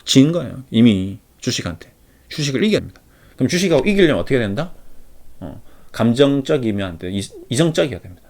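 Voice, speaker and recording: A man hosting a casual lesson on investing, talking in an animated way and acting out little scenes. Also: fast talker. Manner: animated, acts out little scenes with pitch swings. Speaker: stock investing study channel host. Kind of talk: casual spoken lecture.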